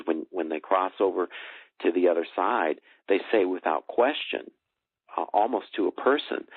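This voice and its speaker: A man explaining earnestly and haltingly as an interview guest over a telephone. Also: low-pitched, slightly rough. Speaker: interview guest, energy healer. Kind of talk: explanatory talk in a phone interview. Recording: tinny phone line, roomy echo.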